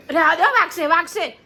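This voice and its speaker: High bright-voiced teasing mother. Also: gravelly. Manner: teasing, scolding, chatty. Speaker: mother and vlogger. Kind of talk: casual family vlog.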